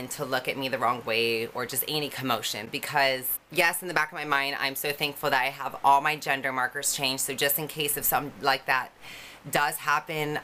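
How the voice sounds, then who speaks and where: A young woman with a low voice telling a personal story to her camera in a candid, conversational way, with many fillers. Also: sharp tone, slight background noise. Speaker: vlogger.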